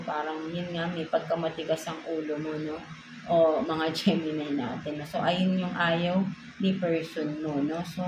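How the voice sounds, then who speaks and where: Echoey Filipino woman reading tarot. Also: fairly low pitch. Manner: code-switching, frequent tag "no?". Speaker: tarot reader. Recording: echoey room with noise.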